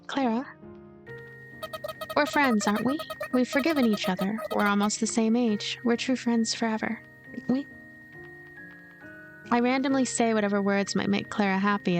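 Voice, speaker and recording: A woman's voice: mid-range voice, fairly even intonation, normal speed, faint music behind, lightly acted. A woman voicing a lonely, cynical, manipulative girl who narrates a visual novel in a detached, coaxing way. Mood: coaxing, sly.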